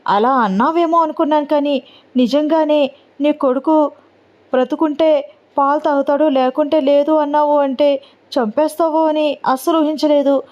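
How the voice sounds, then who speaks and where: A woman's voice: high-pitched, fairly even intonation, moderate pace, a little mellow, dull audio, pitched above the performer's own voice, natural voice. A woman voicing a wry, teasing middle-aged aunt.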